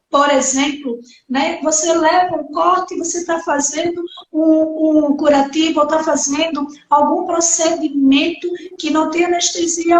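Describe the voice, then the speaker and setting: A woman pastor preaching an earnest sermon, often tagging her sentences with "né" and acting out quoted voices. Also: extremely high pitch. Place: church hall. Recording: echoey church hall from far off.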